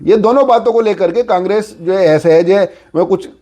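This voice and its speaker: A man's voice: sits high, normal speed, dark tone. A man giving informal political news commentary, explaining conversationally with repeated filler phrases.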